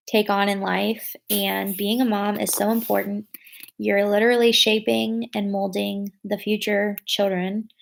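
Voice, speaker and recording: A woman's voice: mid-range voice, gravelly. A young adult woman chatting casually to her viewers, rambling with lots of fillers and correcting herself as she goes. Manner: thinks aloud and corrects herself. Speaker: vlogger answering viewer comments. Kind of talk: casual live chat.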